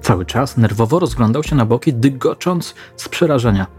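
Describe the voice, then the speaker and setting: A man narrating a scripted crime story in a slow, measured way. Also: mid-range voice, animated, darkish tone, faint music behind.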